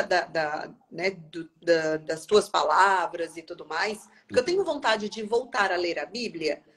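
A woman in her thirties hosting a casual interview over a video call from a small office, chatty, with many restarts. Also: mid-range voice. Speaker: interviewer host. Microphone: video call, webcam.

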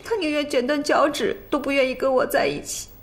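A woman's voice: high voice, fairly even intonation, fairly quick, creaky. An actress playing a headstrong, lovesick young lady of a rich family in a period TV drama, tearful and demanding. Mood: anguished. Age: young adult. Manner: tearful and demanding, pleading then scolding.

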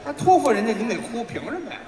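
A man's voice: very high-pitched, very animated, fast, a crowd in the background. A man playing the straight man in live crosstalk comedy, firing back stubborn, indignant retorts. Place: large theater stage. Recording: echoey hall, loud live audience.

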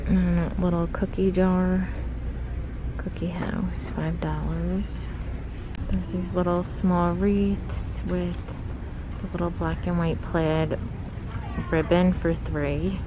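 Woman vlogger filming in a big store on her phone, slow easygoing talk, lots of store noise behind. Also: fairly low pitch, level tone, highs cut off. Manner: unhurried, listing items and prices. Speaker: lifestyle vlogger. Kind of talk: casual shop-with-me narration. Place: large retail store, indoors. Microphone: handheld phone camera. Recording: noisy store ambience. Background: store ambience.

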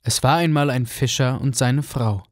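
Calm man narrating a fairy tale. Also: medium pitch, moderate pace, no room sound, clean studio sound. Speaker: narrator, also voicing the fisherman.

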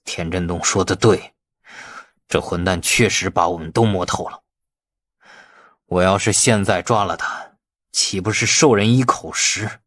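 Man acting husky, blustering, irascible police chief. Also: deep voice, measured pace, long pauses, a bit bright, no room sound, clean studio sound. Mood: brooding. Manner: blustering, commanding.

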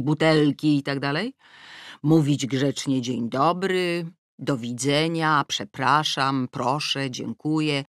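A woman's voice: extremely low pitch, dry recording. A middle-aged woman narrating a first-person audiobook with wry irony and wide swings in tone. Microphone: close studio mic. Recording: dry studio recording.

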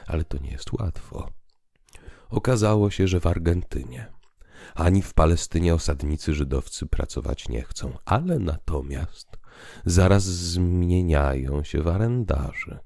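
Very deep, solemn priest played by a man. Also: lively intonation, vocal fry, dark tone, no room sound, studio quality, heavily acted. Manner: solemn, deliberate, oratorical. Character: calm, grave priest telling visionary tales. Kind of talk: dramatized literary audiobook reading.

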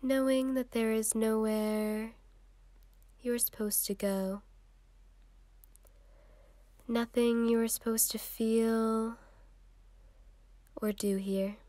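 A woman leading a guided meditation in a soft, soothing, unhurried way with long pauses, breathy at times. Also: on the high side, fairly even intonation, dry recording.

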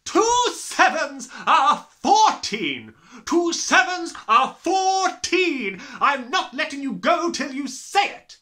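A man's voice: very high-pitched, sing-song, slow, sharp tone, voice pushed up, full character voice. A man voicing a huge, bullying, furious headmistress from a storybook, barking and bellowing with contempt. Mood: bellowing fury. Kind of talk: storybook character reading.

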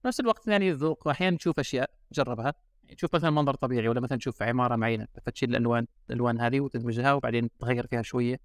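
Man, Algerian accent, very quick delivery, dry close sound. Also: mid-range voice, no echo. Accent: Algerian Arabic. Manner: relaxed, mixes in English and French words. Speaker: guest designer. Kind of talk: casual podcast chat. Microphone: remote call.

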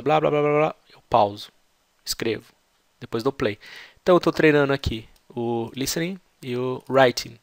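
Chatty Brazilian man with a gravelly voice. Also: medium pitch, no room sound. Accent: Brazilian Portuguese. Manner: chatty, upbeat, explains step by step. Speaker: English-learning vlogger. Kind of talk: casual teaching vlog. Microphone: headset microphone.

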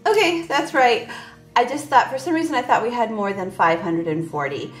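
A woman's voice: on the high side, lively intonation, moderate pace, roomy sound, faint music behind. A woman in her forties, chatting casually to viewers about her budget while counting cash at a table. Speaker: budgeting vlogger. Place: indoors at a table. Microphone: voice heard over top-down table camera, hands only.

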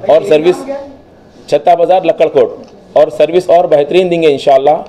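Shop owner at a press event, very dark and mellow voice, measured promotional delivery into a bank of microphones. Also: male voice, a little high, fairly even intonation, low-quality recording. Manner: promotional, listing services and phone numbers. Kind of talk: press statement. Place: crowded shop indoors. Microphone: cluster of press microphones on table.

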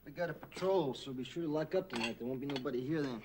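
A man acted as an offhand American soldier in an old war film. He talks fast in clipped, casual phrases, on a noisy soundtrack with clatter. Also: mid-range voice, close to an everyday voice. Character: terse, casual American soldier leaving on patrol. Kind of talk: mid-century war film acting.

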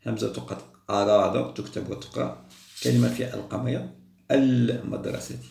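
A man speaking as a primary school teacher, going through test questions and repeating each word slowly for children. His voice is heavily gravelly with a middling pitch. The recording sounds roomy and echoey. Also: fairly even intonation, darkish tone, a little hiss or hum. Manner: patient, repeats words slowly for pupils. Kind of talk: explaining a second-grade Arabic test.

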